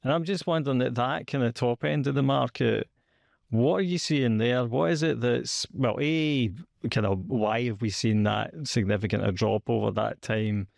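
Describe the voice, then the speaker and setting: A man from Scotland with a Scottish accent, interviewing a guest in a relaxed, hedging way with frequent fillers. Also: mid-range voice, moderate pace, gravelly, no echo, clean studio sound. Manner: hedging, questions full of fillers and restarts. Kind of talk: conversational interview.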